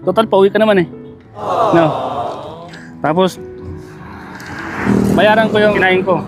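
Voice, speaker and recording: A fairly high-pitched man talks casually outdoors, kind and encouraging. He keeps checking in with quick, repeated little questions. Music plays clearly underneath the whole recording. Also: fairly even intonation. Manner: encouraging and kindly. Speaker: vlogger handing out gifts. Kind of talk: casual on-the-street chat. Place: outdoors on a sunny street.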